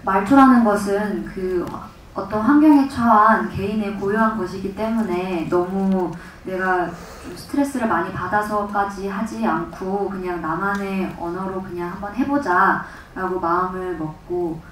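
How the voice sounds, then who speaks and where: A woman actress answering questions at a press conference in a thoughtful, measured way. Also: mid-range voice, fairly even intonation, slight background noise. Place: large cinema hall. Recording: echoey hall from far off.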